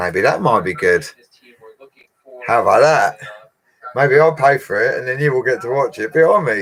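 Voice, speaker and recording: Speaking with an Essex accent, a man keeps a moderate pace and leaves long, frequent pauses. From Essex, England (Colchester, Mersea Island). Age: 40s. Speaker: bricklayer and YouTuber. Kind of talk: live stream chat. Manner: animated.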